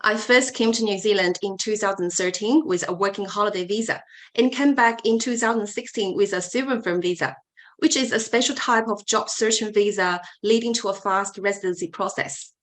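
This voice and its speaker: Measured woman from China. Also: medium pitch, a bit bright. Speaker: webinar speaker, business analyst. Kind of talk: prepared presentation.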